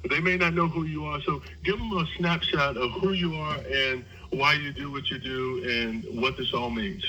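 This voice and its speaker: Bright-voiced male radio host, casual. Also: on the high side, fairly even intonation, moderate pace, highs cut off. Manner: casual, repeats words as he talks. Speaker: radio talk show host. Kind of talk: radio interview. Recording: radio broadcast with light noise.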